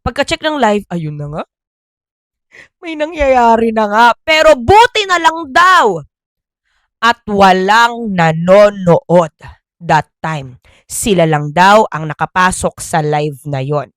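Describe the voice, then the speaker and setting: A woman vlogger telling a gossip story in a casual, animated way, speaking directly to her listeners. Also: mid-range voice, takes it slowly, dry recording, clean studio sound.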